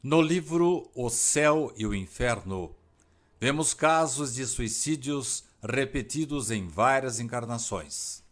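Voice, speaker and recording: A man's voice: mid-range voice, expressive, takes it slowly, fairly bright tone. Brazilian man reading formal questions. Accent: Brazilian Portuguese. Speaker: interviewer. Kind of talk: reading prepared interview questions.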